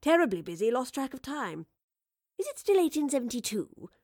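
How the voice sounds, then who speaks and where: Female professor-adventurer, voiced by a woman narrator, storybook. Brisk, cheerful, affectionate, politely old-fashioned. Dry. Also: high voice, big pitch swings, a little mellow, dry recording, voice pushed up, exaggerated voice. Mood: warm, breezy.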